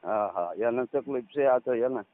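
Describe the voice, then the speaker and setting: A man in his thirties with a Saurashtra Gujarati accent, talking casually as a caller in halting, repeated short phrases. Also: medium pitch, no echo. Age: 30s. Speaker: caller, farmer. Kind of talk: casual phone conversation. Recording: tinny, narrowband phone call recording.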